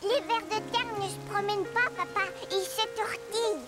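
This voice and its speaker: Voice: extremely high pitch, steady tone, moderate pace, over loud music. An actor voicing a curious, cheerful four-year-old boy in a French-language children's cartoon.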